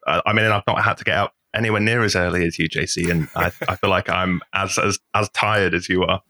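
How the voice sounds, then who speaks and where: A man's voice: low voice, steady tone, a little fast, bright, forceful tone, no echo, studio quality. A man, a professional game master, chatting on a podcast in a rambling way. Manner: rambling, self-correcting storyteller. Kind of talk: casual podcast chat.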